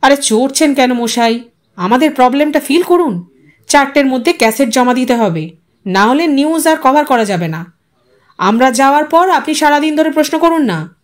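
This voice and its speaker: A woman voicing a brisk, impatient young male TV reporter in a story, complaining and mixing English into his speech. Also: high-pitched, expressive.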